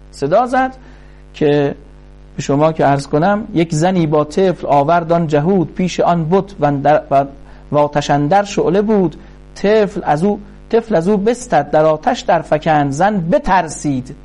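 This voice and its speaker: A man teaches classical poetry. He recites the verses slowly, stretching each line. Between the verses he explains them in quick, plain speech. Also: high-pitched, a little mellow.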